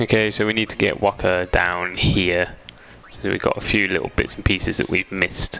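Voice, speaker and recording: Mumbling at a moderate pace, a man talks in a very deep, low voice with monotone, flat intonation over noticeable background noise. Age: 20s. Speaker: gaming streamer. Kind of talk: live game streaming commentary.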